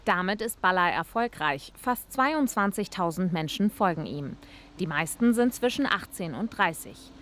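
A woman's voice: lowish voice, animated, normal speed, fairly bright tone, a little hiss or hum. Woman reading a news report. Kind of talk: scripted news narration.

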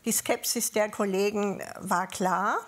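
A woman with a southern German accent, a former police officer, recalling her years on duty in a measured way with frequent hesitations. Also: mid-range voice, fairly even intonation, a bit bright. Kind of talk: panel talk, personal recollection.

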